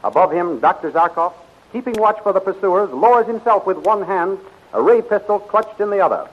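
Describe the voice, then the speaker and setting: A man's voice: sits high, animated, fairly quick. A man narrating a 1930s radio adventure serial as its announcer, dramatic and declamatory. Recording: dull, vintage 1930s radio recording.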